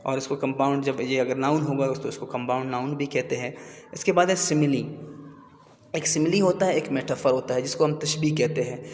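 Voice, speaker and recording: A man explaining English grammar terms in a slow, repetitive teaching manner. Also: medium pitch, fairly even intonation. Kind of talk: classroom lesson explanation. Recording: echoey room with long reverb.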